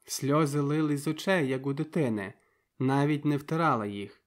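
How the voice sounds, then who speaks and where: A man reading a novel aloud as an audiobook narrator, in calm, measured storytelling. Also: a little high. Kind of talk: scripted literary narration.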